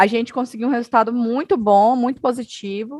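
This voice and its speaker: Fairly high in pitch with ordinary variation, a woman speaks at a moderate pace in an unremarkable speaking voice, recorded dry and close with no echo. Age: 20s. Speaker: solar engineering business owner. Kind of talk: casual podcast interview.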